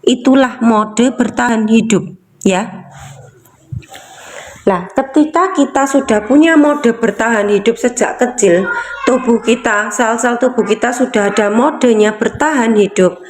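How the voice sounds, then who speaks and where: Woman coach, casual talk, fairly high voice, keeps asking rhetorical questions. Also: measured pace, a little hiss or hum. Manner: repetitive, asks rhetorical questions. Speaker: emotional release coach. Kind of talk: casual teaching talk to viewers.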